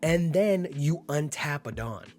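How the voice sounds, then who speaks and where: A man getting over being sick, with a slightly hoarse voice, giving upbeat, laid-back play-by-play commentary on a card game and laughing often. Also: on the high side, expressive, measured pace, darkish tone, faint music behind.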